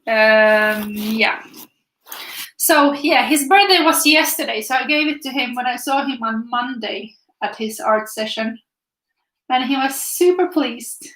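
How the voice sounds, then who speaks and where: A woman's voice: a little high, fairly bright tone, echoey room, low-quality recording. A young woman from Finland with a Finnish accent, chatting casually to live viewers as she paints and reads their comments aloud. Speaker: art teacher streaming live. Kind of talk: casual chat while painting.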